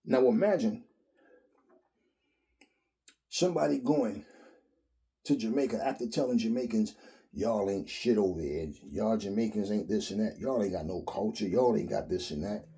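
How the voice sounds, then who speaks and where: A man with a lowish, mellow voice, ranting on his own about boxing. He talks bluntly and profanely, with lots of animated emphasis. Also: normal speed, pauses often. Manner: blunt, profane, animated, mimics others in quotes. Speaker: boxing commentary host. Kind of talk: opinionated solo rant.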